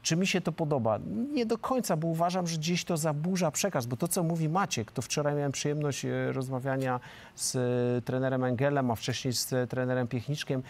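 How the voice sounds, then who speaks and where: A man's voice: mid-range voice, fairly quick, a little mellow. A middle-aged man talking as a football pundit in a TV studio discussion, fluent and emphatic, with frequent hesitation fillers. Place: large TV studio.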